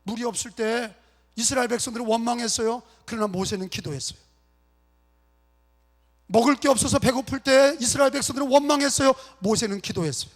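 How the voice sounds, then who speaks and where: A man's voice: very high voice, brisk. A male pastor preaching a sermon in a church, in a rhythmic, repetitive style that builds to exhortation. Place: church sanctuary. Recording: long reverb of a church hall.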